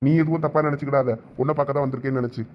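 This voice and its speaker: A man's voice: medium pitch, steady tone, racing, a little hiss or hum, natural voice. A man voicing a hurt but reassuring young boyfriend in a cartoon, with a Thoothukudi Tamil accent. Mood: firm. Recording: dull lo-fi sound.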